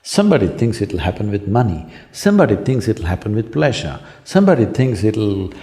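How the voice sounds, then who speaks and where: A hoarse man with an Indian English accent answering student questions in a public talk, asking rhetorical questions and inviting agreement. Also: fairly low pitch, sing-song, brisk, dark tone. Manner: rhetorical, asks the audience to agree. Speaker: spiritual speaker answering questions. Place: large lecture hall with an audience.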